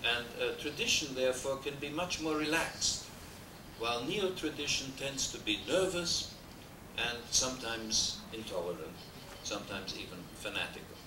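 In a wood-paneled lecture hall, an older Austrian man delivers an academic lecture at a stand-mounted desk microphone, his voice medium-pitched and animated at a normal speed. His Austrian German accent colors a discursive style with frequent hesitations and dry humor. The sound is distant and roomy, a noisy transfer from VHS.

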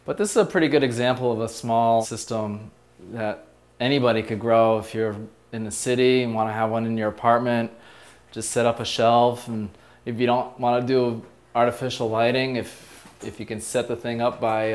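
A man in his thirties with a smooth, clear voice of middling pitch walks through his homemade gardening setup. He talks in a plain, practical way, stopping often for "uh" and small restarts. He is recorded on a documentary camera inside a greenhouse. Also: level tone, moderate pace. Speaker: home aquaponics hobbyist. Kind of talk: casual explanatory tour. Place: greenhouse and home interior.

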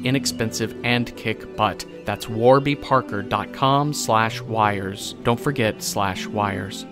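A man reading scripted podcast credits and sponsor notes in a dry, tongue-in-cheek manner. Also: medium pitch. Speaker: podcast announcer.

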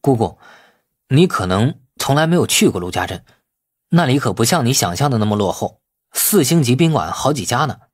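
A man's voice: mid-range voice, sing-song, brisk, breathy edge. A man voicing an eager, obliging young nephew in audiobook dialogue of a city drama. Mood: eager, confident.

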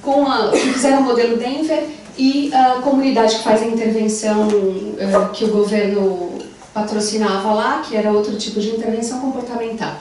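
A young adult woman with a Brazilian Portuguese accent, giving an animated conference lecture as a psychologist through a handheld mic. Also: on the high side, brisk, slight background noise. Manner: animated, gestures while walking the stage. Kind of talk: conference talk. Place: large wood-panelled lecture room. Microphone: handheld mic, far camera. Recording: echoey room recorded from far off.

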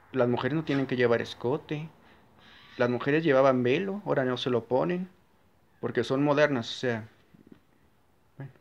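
Man, Mexican accent, mid pitch; blunt informal religious monologue; dull, lo-fi sound. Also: creaky. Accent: Mexican Spanish. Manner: blunt, forceful talk; rambling, with frequent restarts. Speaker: Catholic video maker. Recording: slightly dull, lo-fi recording.

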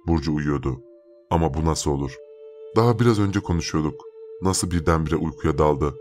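A man with an extremely deep voice narrates a first-person horror tale. His telling is steady and measured. Faint music sits quietly behind him.

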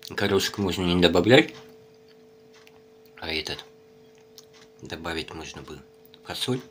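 A man vlogging casually to his viewers while eating, talking with his mouth full and chewing, in a relaxed, rambling way. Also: deep voice, a little slow, slight background noise. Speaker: mukbang vlogger. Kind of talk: casual chat to camera.

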